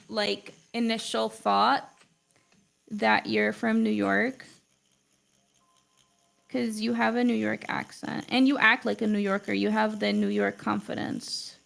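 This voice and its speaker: A young woman with a fairly high, gravelly voice full of fry talks through a live drawing stream. English is not her first language, and she rambles in a loose, chatty way, filling her sentences with "like.". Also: steady tone, a little slow, fairly bright tone. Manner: chatty, rambling, heavy use of "like". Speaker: art teacher streaming live. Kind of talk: casual livestream chat while drawing.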